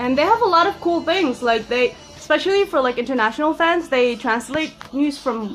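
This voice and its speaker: With a Canadian accent, the speaker talks at a fairly quick pace in an animated tone. The intonation is lively, and there is noticeable background noise. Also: woman. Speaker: fan sending a video message. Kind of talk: casual video message to fans.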